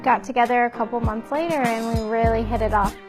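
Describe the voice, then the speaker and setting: Woman in her twenties, high voice, frank, documentary interview, soft music behind. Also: fairly even intonation, fairly quick. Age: 20s.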